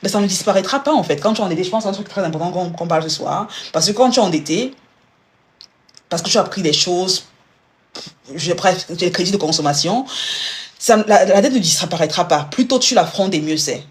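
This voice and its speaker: Fast, restart-prone woman giving money advice. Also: on the low side, lively intonation. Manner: talks fast and informally, with many restarts and repeated words; addresses the listener directly and personally. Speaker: personal finance coach. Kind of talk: live-stream money advice.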